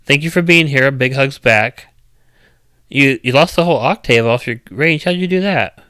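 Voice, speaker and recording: A man chatting casually with viewers on a stream, with a loud, strong voice and an uneven, rambling cadence full of restarts. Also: mid-range voice, moderate pace, clean tone, no room sound. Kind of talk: casual live chat.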